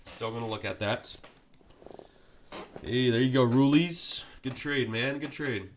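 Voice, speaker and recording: On his stream, a congested man with a cold gives live market commentary, explaining steadily and often checking in with "right?". His voice is mid-range and a little slow.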